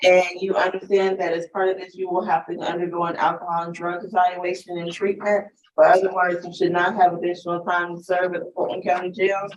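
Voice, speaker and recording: A woman judge running a courtroom plea hearing, asking formal questions in a brisk, measured way. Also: fairly low pitch, level tone, roomy sound, highs cut off. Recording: distant mic with faint noise.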